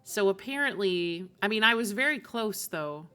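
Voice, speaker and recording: A woman's voice: medium pitch, animated, moderate pace, sharp tone, clear, resonant tone, faint music behind. A woman game streamer chatting casually and talkatively to her live audience. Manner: chatty, often laughs while talking.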